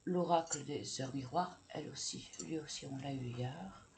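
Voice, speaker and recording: A woman's voice: a bass voice, normal speed, darkish tone, a little hiss or hum. A woman reading oracle cards in a casual chatty way, hesitant, with many fillers and self-corrections. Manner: chatty, laughs at herself. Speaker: oracle card reader.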